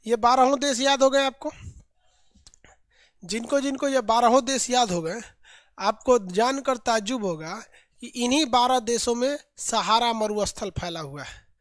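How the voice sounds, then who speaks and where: A man teaching an online geography class, lively and colloquial, drilling names by repetition. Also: very high voice, measured pace, no echo, studio quality.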